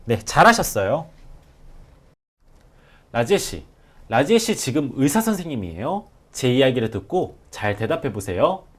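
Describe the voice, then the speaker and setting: A man teaching a language class, drilling example words slowly and clearly for his students. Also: medium pitch, big pitch swings. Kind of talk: classroom lesson.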